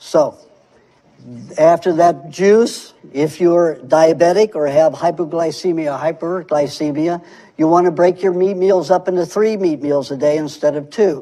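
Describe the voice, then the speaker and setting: Slowing to a fairly slow pace, a man speaks with a high pitch, a dark, mellow tone and fairly even intonation. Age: 60s. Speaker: raw food diet author and lecturer. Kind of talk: lecture.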